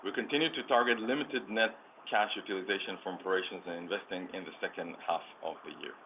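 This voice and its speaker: Low voiced finance exec guy reading numbers formally, dull call audio with some noise. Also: fast talker. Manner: formal, reading prepared remarks. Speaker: company finance executive. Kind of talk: scripted financial report on earnings call. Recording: dull conference call, clear background noise.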